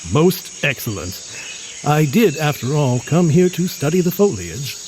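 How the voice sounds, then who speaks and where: An actor playing a courtly, erudite mutant scientist in an audio drama, with a verbose, formal and genial manner. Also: male voice, on the high side, very animated, a little slow, darkish tone, slight background noise. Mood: genial, pompous.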